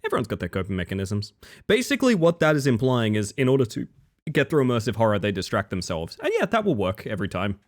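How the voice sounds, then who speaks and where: A man's voice: on the low side, wildly swooping pitch, quick pace. A man with an Australian accent, chatting casually with his live-stream audience while gaming, reading chat aloud and swearing now and then.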